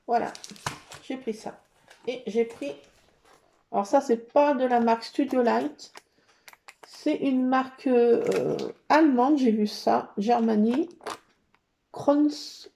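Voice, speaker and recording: A middle-aged woman chatting casually as she shows her scrapbooking work and supplies, rambling and pausing often. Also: fairly high pitch, vocal fry, warm tone, slight background noise. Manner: chatty, rambling, full of hesitations. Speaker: scrapbooking vlogger. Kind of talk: casual show-and-tell chat.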